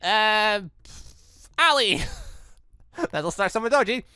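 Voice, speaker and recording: A man's voice: sits high, lively intonation, slow, pushed and bright, smooth, no echo. A man giving casual let's play commentary in a rambling way, often correcting himself on a close mic. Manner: rambling, self-correcting asides. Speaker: gaming video host. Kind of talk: casual let's play commentary, reading visual novel dialogue aloud. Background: game music.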